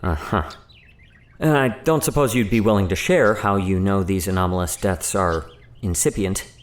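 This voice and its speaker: Man as an earnest, deep-voiced research doctor. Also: moderate pace, natural voice. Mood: skeptical, curious. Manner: polite, precise, slightly awkward. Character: earnest, inquisitive, deferential male research doctor. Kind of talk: audio drama acting.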